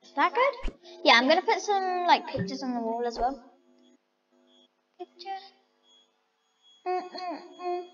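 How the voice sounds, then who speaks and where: A woman's voice: very high voice, expressive, unhurried, long pauses, long reverb tail, dull audio, over music. A woman chatting to her viewers as she decorates a house in a game, thinking aloud. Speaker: vlogger. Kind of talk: casual game commentary.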